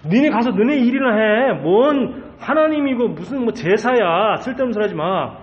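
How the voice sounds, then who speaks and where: A man's voice: very high voice, expressive, normal speed, highs cut off, pitched above the performer's own voice. A pastor acting out a sneering arrogant king. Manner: taunting, scornful. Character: sneering arrogant male king mocking slaves.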